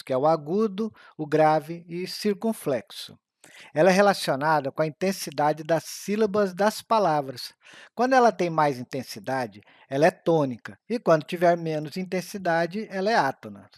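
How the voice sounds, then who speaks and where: A man reads an exam-prep grammar lesson, slowing down carefully over the examples. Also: a little high, lively intonation, dry recording, studio quality. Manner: slow, careful reading of examples.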